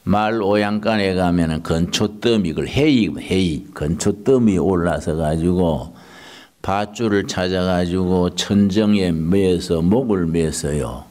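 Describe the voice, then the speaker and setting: A male pastor telling a story in a sermon, animated and asking his listeners rhetorical questions. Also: unhurried. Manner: animated storytelling with wide swings in pitch.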